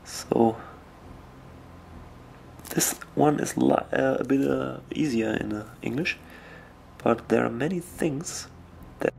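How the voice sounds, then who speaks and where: Slow, gravelly German-accented man. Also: medium pitch, darkish tone, slight background noise. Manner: slow, hesitant, searching for words with many ums. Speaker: miniature painting tutor. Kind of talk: casual talk while painting.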